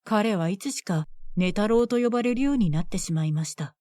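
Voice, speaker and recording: A woman telling a folk tale as a bedtime story in a gentle, measured way. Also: medium pitch, lively intonation.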